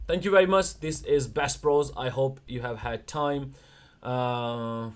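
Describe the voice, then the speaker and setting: A young man from India hosts a casual livestream chat. His voice sits at an ordinary middle pitch. He rambles in fast bursts and often restarts his sentences. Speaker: streamer, wrestler co-host.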